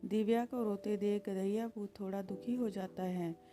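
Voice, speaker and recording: A woman narrating a children's moral story in a calm, scripted storytelling manner. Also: mid-range voice, moderate pace, soft background music.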